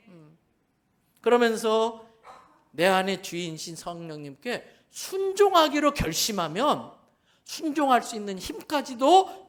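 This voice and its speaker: A male pastor delivers a sermon at a church service. His pitch climbs and falls in lively swings. He talks in an animated way, going quiet and then loud as he acts out bits of dialogue.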